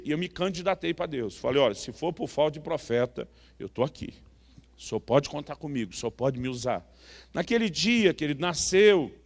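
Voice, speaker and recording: A Brazilian man preaching with a Brazilian Portuguese accent. His voice sits a bit high and has a gravelly edge. He tells a story in a lively way, voicing each person in the exchange and often tagging lines with a quick question. The sound carries a long reverb, as in a large hall. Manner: animated storyteller acting out dialogue, frequent "né". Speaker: pastor. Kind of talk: sermon storytelling.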